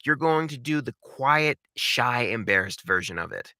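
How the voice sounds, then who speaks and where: Man, very bright forceful voice, lively swooping pitch, dry close sound, emphatic coaching style. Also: normal speed, dry recording. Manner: emphatic, theatrical, repeats key words for stress; conversational, informal asides. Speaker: voice acting coach. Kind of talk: instructional talk with numbered tips.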